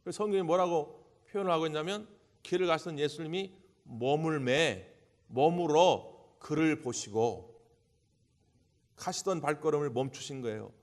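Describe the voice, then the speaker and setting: A man pastor preaching a sermon in a church sanctuary, dramatic and animated, acting out the voices he quotes. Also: a little high, normal speed. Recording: church hall with long reverb.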